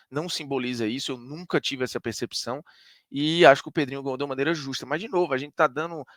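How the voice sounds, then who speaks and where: A man's voice: medium pitch, a bit bright, no room sound, clean studio sound. Northeastern Brazilian man giving emphatic commentary. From Ceará, Brazil. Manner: emphatic, conversational, argues point by point. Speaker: sports commentator. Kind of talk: opinion commentary monologue.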